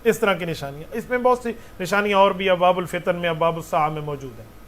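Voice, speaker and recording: A man's voice: high-pitched, fast talker, fairly bright tone. A man, a mufti answering religious questions with patient explanations and rhetorical questions.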